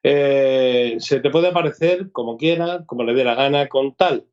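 A man's voice: medium pitch, a little mellow, lo-fi sound. A man speaking as a guest in a spiritual conversation, assured and emphatic.

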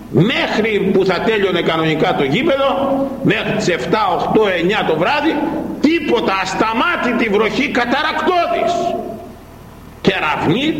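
A man's voice: sits high, fairly bright tone, a little hiss or hum. A man preaching a sermon, emphatic and repetitive, hammering his points with rhetorical questions. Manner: emphatic, repeats phrases, fires rhetorical questions. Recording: echoey room.

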